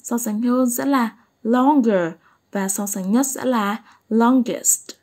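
Female English teacher. Slightly high voice, unhurried, patient delivery that keeps checking understanding. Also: a little mellow. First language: Vietnamese. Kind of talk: slow explanatory lesson.

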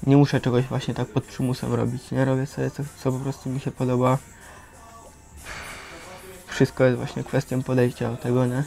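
A man's voice: mid-range voice, monotone, normal speed, creaky, long pauses. A young man chatting casually in an interview, colloquial and full of tag questions. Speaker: youth centre resident. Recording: loud music over the voice.

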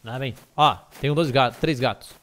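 A man with an Algerian accent, mixing Arabic and French sounds, loudly and excitably commentating his own gameplay. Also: medium pitch, normal speed, a little hiss or hum. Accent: Algerian, Arabic and French mix. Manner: loud, excitable, shouts into the mic. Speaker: gaming YouTuber. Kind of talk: let's play commentary.

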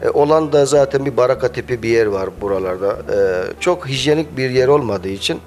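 Speaking into an interviewer's handheld mic in his small cafe, the owner, a man in his thirties, hesitates and uses many fillers. His mid-range voice is expressive, slightly mellow, and a bit fast, over faint music.

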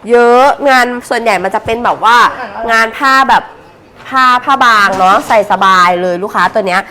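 A Thai woman selling clothes on a live stream in a chatty promotional pitch, with sweet polite address to customers. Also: normal speed, sharp tone. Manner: sweet polite particles, addresses customers as older sister and mother. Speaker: live-stream seller of secondhand clothing bales.

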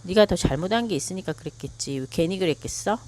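A woman's voice: fairly low pitch, lively intonation, quick pace, a little mellow, close to an everyday voice. A woman reading the lines of a mother talking firmly to her child. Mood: scolding. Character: scolding mother, then gentle and consoling.

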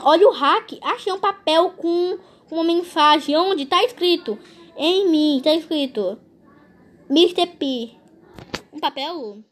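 A woman with a Brazilian accent giving excited, exclamatory gameplay commentary to her viewers. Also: high-pitched, a little hiss or hum. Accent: Brazilian Portuguese. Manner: animated, exclamatory, talks to viewers. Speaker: gaming video host.

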